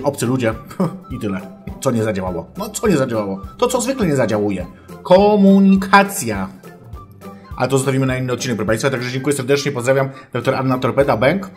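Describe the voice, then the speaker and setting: A man's voice: mid-range voice, natural voice. A man playing a pompous, crude self-styled female sex therapist, lecturing in mock-scholarly tones and swearing, over faint background music. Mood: indignant. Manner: mock-scholarly lecturing, keeps addressing the audience formally, swears. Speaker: advice-show host. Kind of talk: comic character monologue.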